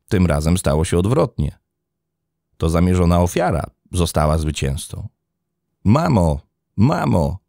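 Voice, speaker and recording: A man reading a scripted true-crime story as a podcast narrator, in a dramatic, expressive storytelling manner. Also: low-pitched, creaky, dry recording, studio quality.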